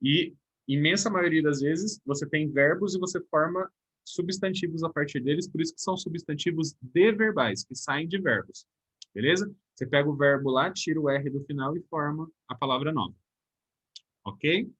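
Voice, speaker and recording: A man's voice: a little high, moderate pace, a bit bright, husky. A man with a Brazilian Portuguese accent teaching a recorded grammar lesson, explaining step by step and checking in with his students.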